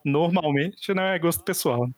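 A man's voice: on the high side, moderate pace, dry recording. A man hosting a casual podcast, explaining rules with a lot of fillers. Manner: chatty, explains with lots of fillers. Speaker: podcast host.

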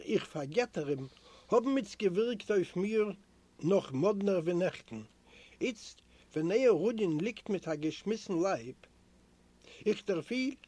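A man reading a novel aloud as an audiobook in a measured literary manner, giving voice to the characters' dialogue and letters. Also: sits high, dark tone, dry recording. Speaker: audiobook reader. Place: library recording room.

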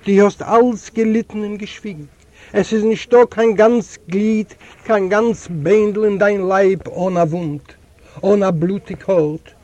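A solemn old judge of the heavenly court , read by a man, speaks slowly and tenderly. His voice sits high but sounds dark and mellow, and the delivery is dry and close. He talks in an unhurried, drawn-out way. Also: fairly even intonation, no room sound. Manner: slow, tender, solemn reading. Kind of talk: audiobook storytelling. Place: library recording room.

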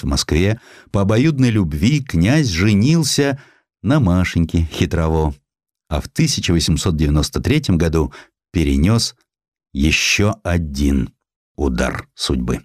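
A male narrator with a low voice tells a historical tale. His delivery is measured and theatrical, with lively rises and falls in pitch. The recording is dry and close. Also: dry recording. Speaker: audiobook narrator. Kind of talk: dramatic scripted narration of historical essay.

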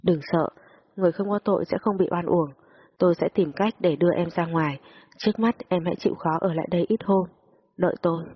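A woman voicing a caring young man who speaks slowly and gently. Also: on the low side, husky, lo-fi sound. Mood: gentle. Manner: slow, gentle. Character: calm caring young man reassuring her.

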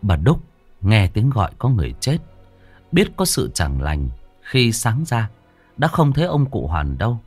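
A man's voice: lowish voice, huge pitch swings, measured pace, darkish tone, husky, faint music behind. A man narrating a ghost story with a dramatic storytelling delivery.

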